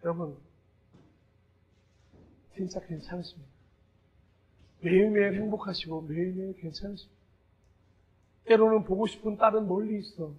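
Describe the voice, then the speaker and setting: Brief: male pastor preaching a Sunday sermon, high-pitched and husky, conversational with shouted emphasis. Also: steady tone, moderate pace, pauses often, lo-fi sound. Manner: asks the congregation direct questions.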